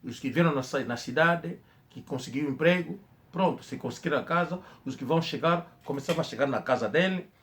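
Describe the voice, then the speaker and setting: A man's voice: on the high side, a little fast, a bit bright. A man with an Angolan Portuguese accent giving an emphatic spoken commentary, with coughs and restarts. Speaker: channel host.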